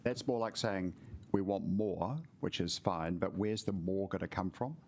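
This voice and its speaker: A man's voice: sits low, a little slow, a little mellow, slight background noise. A man, a councillor in a formal meeting, blunt and pressing for specifics.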